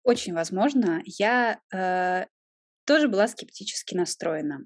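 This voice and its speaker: A young woman, a Russian language teacher, explaining her teaching views in a relaxed conversation, pausing often with small hesitations. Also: medium pitch, no echo, clean studio sound. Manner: thoughtful, explanatory, with frequent hesitations. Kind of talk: conversational interview.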